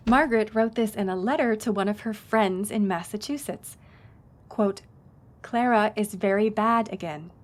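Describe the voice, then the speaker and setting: A woman's voice: mid-range voice, normal speed, natural voice. A woman playing a friendly, knowledgeable historic house tour guide in an audio roleplay, speaking in an informative, conversational way. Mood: solemn reading. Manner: conversational, informative, engages the listener with questions.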